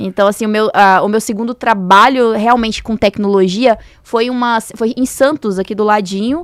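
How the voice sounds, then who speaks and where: The voice carries a slight Goiás accent and moves at a moderate pace with fairly even intonation. The sound is dry and close, with no echo. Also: woman. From Brazil, Goiás / Mato Grosso interior. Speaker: AI specialist and entrepreneur. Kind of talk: podcast interview.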